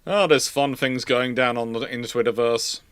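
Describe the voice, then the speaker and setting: A man's voice: mid-range voice, moderate pace, fairly bright tone, clean tone, no room sound. A man hosting a casual live question-and-answer stream, stammering and often repeating words as he restarts his phrases. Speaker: livestream host answering viewer questions.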